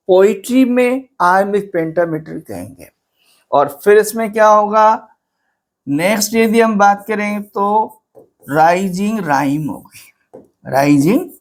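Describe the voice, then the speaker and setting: Male tutor with a high voice, exam-prep lecture, rhetorical questions, drawn-out key terms. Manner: asks the class questions and answers them himself; switches between Hindi and English terms. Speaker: teacher.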